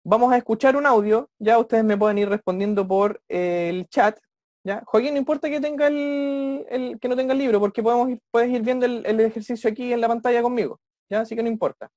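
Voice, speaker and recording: An English teacher, giving an online class over a video call, who ends nearly every phrase with a checking question and slows down to model English phrases. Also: medium pitch, fairly even intonation, darkish tone, dry recording.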